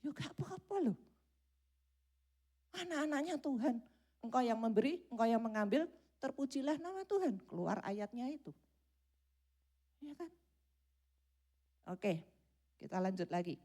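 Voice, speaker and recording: Middle-aged woman pastor, church sermon, slightly high pitch, lively delivery that jumps into acted dialogue. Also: measured pace, long pauses. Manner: lively, acts out prayers and dialogue in changing voices. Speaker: preacher.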